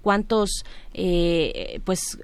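A woman hosting a conversational interview with musicians, phrasing her questions in a wordy, halting way with frequent tag questions. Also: on the low side, steady tone, smooth. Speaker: interviewer, host of a music show.

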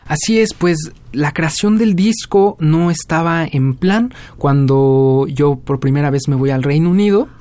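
Hombre joven de voz suave. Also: male voice, a little high, a little slow, few pauses, dry recording. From Mexico. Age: 20s. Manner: relaxed storytelling with fillers. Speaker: guest musician. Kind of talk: interview answers.

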